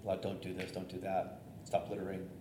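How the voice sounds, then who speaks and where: A middle-aged man, a theater-trained bishop with a loud voice, teaching preachers in a conversational, energetic way with fillers and restarts. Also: low voice, fast talker. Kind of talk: informal teaching talk on preaching. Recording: echoey room, faint noise.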